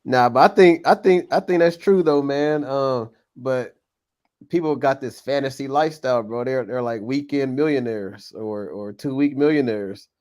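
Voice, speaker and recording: A man's voice: mid-range voice, moderate pace, darkish tone. A man in casual podcast chat, laid-back and agreeable, speaking loosely with slang. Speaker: podcast panelist.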